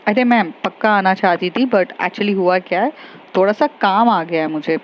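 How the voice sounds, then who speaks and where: A woman's voice: medium pitch, normal speed, voice pushed down, lightly acted. A woman voicing an upset young woman who hides her tears and mixes English into her Hindi. The recording is slightly dull, with faint noise behind. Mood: evasive.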